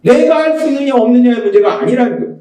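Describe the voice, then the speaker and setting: A man preaching a Sunday sermon as pastor, emphatic and repeating key phrases, sometimes rising to shouts. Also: very high-pitched, quick pace. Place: church sanctuary. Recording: echoey church hall, mic at a distance.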